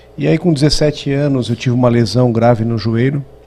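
Noticeable background noise is present throughout. A man speaks at a moderate pace, his pitch varying in an ordinary way. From Florianópolis, Santa Catarina, Brazil. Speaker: military police officer. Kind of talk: interview.

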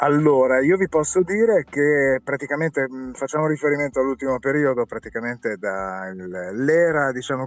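This man has a plain, everyday voice at a medium pitch and talks at a moderate pace. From Italy, Forlì (Romagna). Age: 60s. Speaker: radio presenter. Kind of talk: interview. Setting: phone call.

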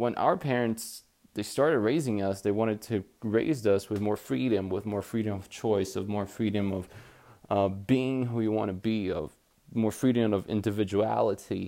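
At a moderate pace, a man with a dark, mellow tone speaks at a fairly low pitch with ordinary pitch variation. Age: 20s. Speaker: podcast host and economics student. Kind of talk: solo monologue podcast. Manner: halting, many fillers.

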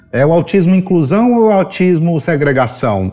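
With lively intonation, a man talks at a moderate pace and a fairly high pitch. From Ceará, Brazil. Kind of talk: interview. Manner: halting.

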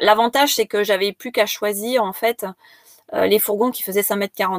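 In a dry, close sound with no echo, a woman with an ordinary speaking voice speaks at medium pitch and a moderate pace, with fairly even intonation. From western France, Loire-Atlantique. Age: 40s. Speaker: home tutor and van dweller. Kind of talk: casual interview. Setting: video livestream from her van.

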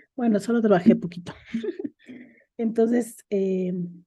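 A woman speaks with a dark, mellow tone and a somewhat breathy quality. Her intonation stays fairly even. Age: 40s. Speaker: executive coach and podcast host. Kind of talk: solo podcast monologue. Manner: casual, with many fillers.

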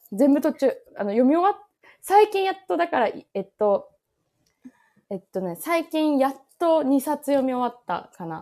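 A woman with a Kansai accent and a high pitch, a dark, mellow tone, very wide pitch swings and big swings in loudness, at a moderate pace with long, frequent pauses. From Kansai, Japan. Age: 20s. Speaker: podcast co-host. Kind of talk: casual chat.

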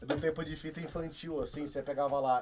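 A man talks at a very fast pace, with noticeable background noise around him. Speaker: podcast host. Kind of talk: casual chat.

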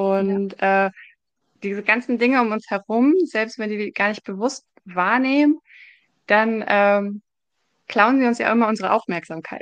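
A woman with a fairly high pitch speaks at a fairly slow pace, leaving long, frequent pauses. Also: ordinary pitch variation, quiet background. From northern Germany, Hamburg. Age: 30s. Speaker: professional organizer with ADHD. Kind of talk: casual interview.

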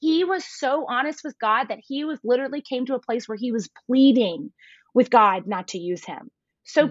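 A woman with an American accent speaks in a high pitch with lively intonation. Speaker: preacher and speaking coach. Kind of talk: casual interview chat.

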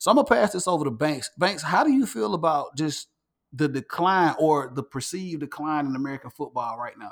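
A man's fairly high, fairly quick voice with lively intonation and big swings in loudness, on a very clean recording with a silent background. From US South, Georgia. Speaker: sports podcast host. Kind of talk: casual sports chat.

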